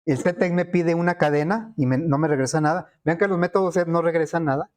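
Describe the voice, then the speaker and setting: A man teaching a programming lesson over a screen recording, thinking aloud with many fillers and quick checks with his students. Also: a little high.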